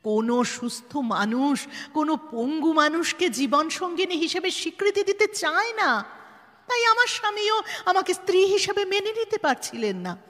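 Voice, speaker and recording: An actress playing a resolute, inspiring disabled woman in a Bengali audio drama, speaking emphatically with dramatic pauses and a Bengali accent, switching into English. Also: very high voice, animated, a bit bright. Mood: grave, composed. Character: resolute, inspiring disabled woman painter who overcame despair. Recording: reverberant hall effect under music.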